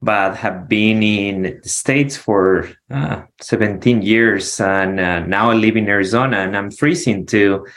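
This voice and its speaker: This is a man, speaking in a lowish voice as a podcast guest. He talks easily and lets soft chuckles slip between his explanations. The pace is unhurried and conversational. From Ecuador. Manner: relaxed storytelling with soft chuckles. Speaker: guest, company founder. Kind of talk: casual podcast interview.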